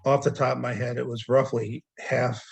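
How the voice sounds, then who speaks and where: A man presenting a loan at an online board meeting, talking haltingly with many restarts while losing his voice and clearing his throat. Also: medium pitch, level tone. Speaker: land bank staff presenting a loan.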